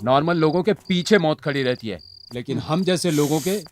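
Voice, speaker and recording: A man dubbing a brooding gang leader weighed down by guilt in a Hindi-dubbed film, speaking gravely. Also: a little high, moderate pace, faint music behind, natural voice.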